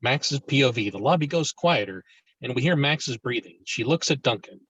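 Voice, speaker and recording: A man with a mid-pitched, slightly husky voice narrates a screenplay's action and scene headings. The recording is dry and close. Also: animated, moderate pace, a bit bright, no echo, rough recording. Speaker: stage directions reader.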